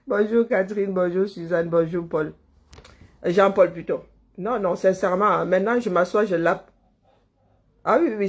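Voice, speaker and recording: A livestream host chats casually, greeting viewers by name, rambling, chuckling and tripping over words. The voice is medium-pitched and slightly rough.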